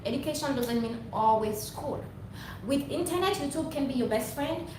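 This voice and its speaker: A woman's voice: high-pitched, lively intonation, moderate pace. Earnest woman talking in an echoey room. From Haiti. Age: young adult. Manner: rambling, earnest, preachy. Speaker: vlogger. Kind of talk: casual monologue to viewers. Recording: very echoey room, distant mic, faint noise.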